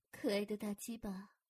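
Breathy, doting older sister, voiced by a woman. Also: sits high, full character voice. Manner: coaxing and soothing, often whispered. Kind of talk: intimate audio roleplay.

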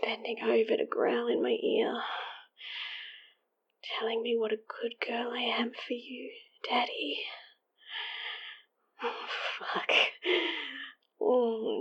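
A woman whispering an intimate roleplay in a breathy, sighing way, with soft laughs. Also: on the high side, highs cut off. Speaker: audio roleplay performer.

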